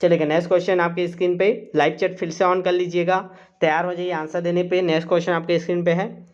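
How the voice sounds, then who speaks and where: A man's voice: high-pitched, flat delivery, fast, clear, resonant tone, lo-fi sound. A man teaching a live online exam-prep quiz class, reading out questions and options and coaxing students with "theek hai". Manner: coaxing, repeats "chaliega" and "theek hai", reads options aloud.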